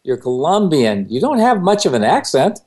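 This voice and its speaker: A man's voice: fairly high pitch, big pitch swings, moderate pace, a little mellow. Playful male co-host. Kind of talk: casual chat show.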